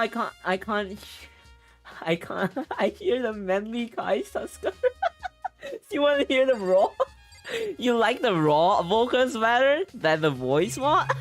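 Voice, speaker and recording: A man streaming a story game, reading its text aloud and chatting with viewers with frequent giggles. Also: sits high. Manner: giggly, chatty, reacting to chat.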